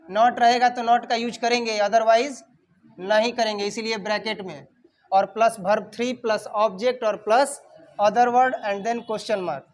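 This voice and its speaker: A man's voice: high voice, steady tone, a little slow. A male teacher teaching English grammar in a classroom, calling on students and dictating sentences word by word. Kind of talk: classroom lesson. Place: classroom with a whiteboard.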